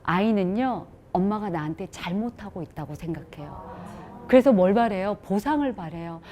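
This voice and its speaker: A woman's voice: medium pitch, expressive, moderate pace, warm tone. A woman lecturing working mothers on parenting, asking rhetorical questions and acting out everyday scenes.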